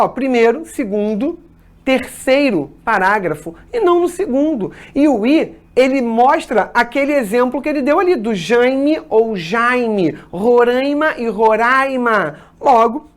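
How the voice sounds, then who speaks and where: Brazilian woman, exam-prep teacher, high and very lively delivery, patient and explanatory. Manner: didactic, checks in with "tá?", corrects herself mid-sentence.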